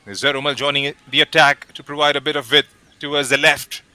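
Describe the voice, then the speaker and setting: Bright-voiced male football commentator. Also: on the high side, smooth. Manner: steady, measured calls with brief pauses between names. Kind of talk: live play-by-play commentary.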